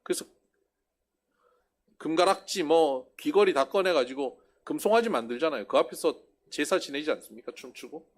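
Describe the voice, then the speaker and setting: A male pastor delivers a sermon lecture in a high voice that swings widely in pitch. He keeps putting questions to the congregation and answering them himself. When he quotes people, he acts them out with his voice raised. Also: lively intonation, normal speed. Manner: asks the congregation rhetorical questions.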